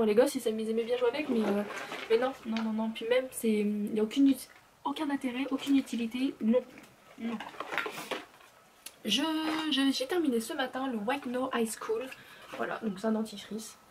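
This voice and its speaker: Casting: woman, 30s, higher voice, chatty vlogger with lots of fillers, slight background hiss. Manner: chatty, frequent fillers and restarts, drops to murmurs. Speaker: beauty vlogger. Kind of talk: casual chat.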